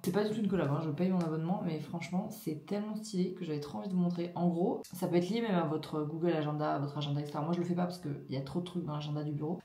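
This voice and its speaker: A woman vlogging casually to camera, chatty and enthusiastic, filming at home and in the office. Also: fairly low pitch. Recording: roomy echo.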